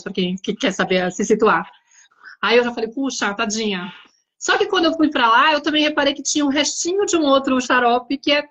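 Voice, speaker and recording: A woman's voice: fairly high pitch, fairly bright tone, muffled recording. A woman hosting a live chat, telling a family story with lots of quoted dialogue. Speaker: host.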